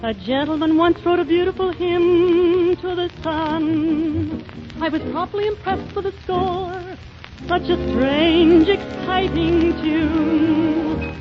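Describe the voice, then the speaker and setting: A woman singer in a dreamy, slow, lilting manner, heard on an old radio broadcast. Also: extremely high pitch, over music. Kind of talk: 1930s radio song introduction. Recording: dull lo-fi 1930s radio broadcast.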